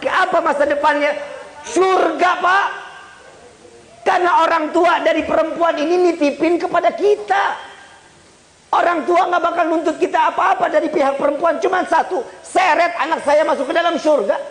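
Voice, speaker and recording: A man's voice: extremely high pitch, normal speed, a faint crowd. A man, preaching a humorous Islamic sermon and talking straight to his congregation with jokes. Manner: lively, joking, addresses the audience directly.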